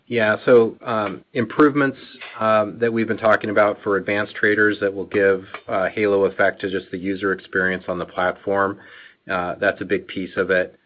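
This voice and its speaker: A man answering questions as a finance executive on an earnings call, speaking in a halting, measured way. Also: lowish voice, flat delivery. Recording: dull, lo-fi conference phone line.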